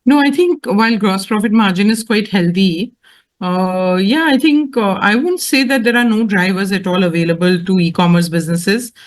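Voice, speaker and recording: A company executive with a measured, explanatory way of talking, answering questions on an earnings call. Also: mid-range voice.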